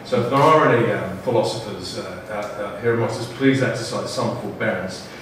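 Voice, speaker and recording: A man's voice: on the low side, fairly quick, background noise. Guy stumbling through his panel speech, lots of ums, big echoey room, mic far away. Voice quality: loud voice. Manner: hesitant, many fillers and restarts. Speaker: panel speaker. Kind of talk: halting public talk from notes. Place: lecture room with audience.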